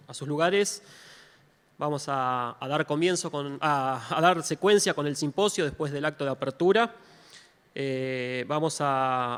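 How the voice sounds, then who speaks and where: Courteous moderator in a hall. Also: male voice, a little high, a bit bright, clean tone. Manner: courteous, formal, with frequent restarts. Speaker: session moderator. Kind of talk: formal introduction of a speaker. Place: conference hall. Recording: long reverb of a large hall.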